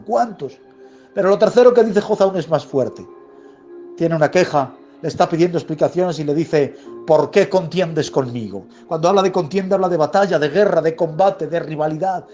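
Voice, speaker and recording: Man, sermon, high pitch, emphatic repetition, faint background music. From Spain. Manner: emphatic, repetitive phrasing, dropping to a hushed tone. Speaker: preacher.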